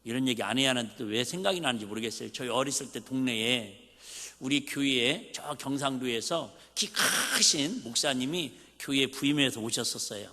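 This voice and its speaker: Bright-voiced Jeolla-accented pastor preaching. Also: male voice, medium pitch, expressive, moderate pace. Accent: Jeolla Korean. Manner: folksy, conversational preaching with rhetorical questions. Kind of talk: sermon. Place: church sanctuary. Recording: reverberant church hall.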